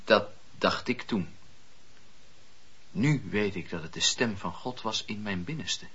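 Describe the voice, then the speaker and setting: Zealous male wandering preacher, lowish forceful voice, declamatory, dramatic pauses, radio play, dull lo-fi sound. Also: breathy edge, exaggerated voice. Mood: calm conviction. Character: fervent wandering preacher, earnest 17th-century religious dissenter.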